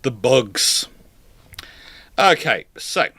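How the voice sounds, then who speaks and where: A man hosting a live history question-and-answer stream in casual chat, talking in a halting, rambling way with repeated words. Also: medium pitch, very animated, sharp tone, slightly rough. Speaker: host of a live naval history Q&A.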